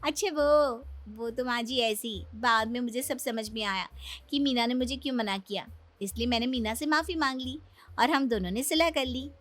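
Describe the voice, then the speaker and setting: A woman's voice: normal speed, a bit bright, close to an everyday voice. A woman voicing a pushy, sulky young wife in a Hindi cartoon, pleading and huffy by turns. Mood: apologetic. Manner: pleading then huffy, high-strung.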